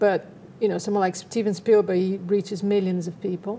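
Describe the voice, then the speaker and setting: A woman with a dark, mellow tone speaks in a monotone, flat way over light background noise. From Brazil. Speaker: film director; guest. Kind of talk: interview. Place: studio.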